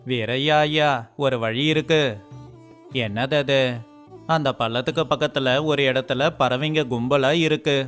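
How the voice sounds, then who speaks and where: A man's voice: medium pitch, steady tone, a little slow, a bit bright. A man voicing several village men in turn in a storybook dialogue. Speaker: voice actor for story characters. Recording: faint music behind.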